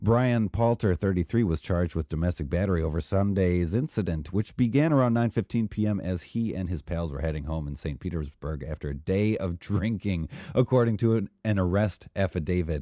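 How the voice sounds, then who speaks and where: Speaking with hardly any pauses, a man with an American accent has a very deep, low voice and a dark, mellow tone with lively intonation. The recording is dry and close with no echo, very clean, with a silent background. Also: moderate pace. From Wisconsin. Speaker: podcast host. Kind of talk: casual comedic interview.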